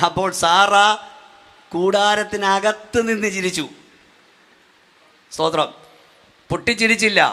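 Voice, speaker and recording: Man preaching, from Kerala, middle-aged, high-pitched, bright, fervent, builds to shouts. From Kerala, India. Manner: fervent preaching, rising to shouts, urging clapping and praise. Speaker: pastor. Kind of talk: Malayalam Pentecostal sermon. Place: church gathering at night.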